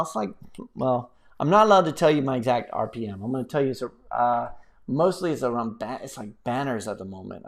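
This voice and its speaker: A man hosting a casual live stream, chatting in a rambling, playful, animated way as he reads out and answers viewer comments. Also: mid-range voice, vocal fry. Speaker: live-stream host, app developer.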